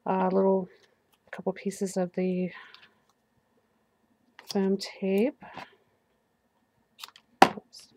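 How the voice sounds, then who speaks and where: Still shaking off the flu, a woman hosting a crafting video talks herself through a paper craft at her work table, chatty and quick to laugh at her own slips. Her medium-pitched, darkish voice is completely flat, with drawn-out words and frequent pauses, recorded from an overhead camera above the table.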